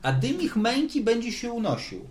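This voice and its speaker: Animated man teaching scripture. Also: very high voice, moderate pace. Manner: questioning, conversational, repeats words while thinking. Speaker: Bible study leader. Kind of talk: lively Bible teaching to a group.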